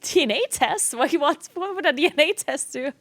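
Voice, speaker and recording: High-pitched woman with South Tyrolean accent. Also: lively intonation, normal speed, no echo. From South Tyrol, Italy. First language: not English. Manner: giggly, laughs often while talking. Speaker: game streamer and esports caster. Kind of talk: casual livestream chat.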